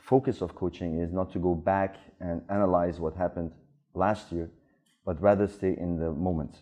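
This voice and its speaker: Moderate pace and fairly even intonation from a man with a very deep, low pitch and an Iranian accent. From Dubai, then Sweden. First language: Farsi. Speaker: executive coach. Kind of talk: interview. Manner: halting.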